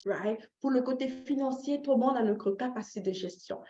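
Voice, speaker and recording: A woman's voice: a little high, fairly quick, dark tone. A woman from Canada teaching personal finance informally, repeating phrases for emphasis, checking in with listeners and dropping in short English tags. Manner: engages listeners directly with questions. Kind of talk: informal live teaching talk with motivational tone. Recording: roomy echo, slightly dull lo-fi sound.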